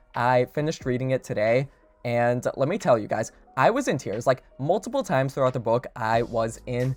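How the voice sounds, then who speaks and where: The tone is animated and the pace moderate. Music plays in the background. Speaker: YouTube reaction creator. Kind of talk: casual book reaction monologue.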